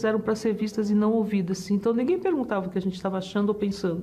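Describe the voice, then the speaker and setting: Over noticeable background noise, the speaker goes at a fairly quick pace with fairly even intonation. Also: woman. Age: 70s. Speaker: church member giving testimony. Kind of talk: testimony.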